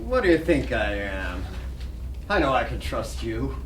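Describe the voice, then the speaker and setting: A man's voice: mid-range voice, big pitch swings, a little slow, fairly bright tone. A man playing a meek, eager hotel night clerk, polite and deferential, in a staged play reading. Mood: obliging. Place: library reading room, public event. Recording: roomy, distant mic, faint noise.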